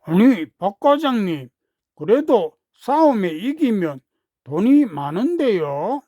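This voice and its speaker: A man reading a storybook, voicing a gruff middle-aged cattle trainer who bullies and shouts. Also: sits high, very animated, slow, no echo, clean studio sound, exaggerated voice. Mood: puzzled. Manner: bullying, shouting.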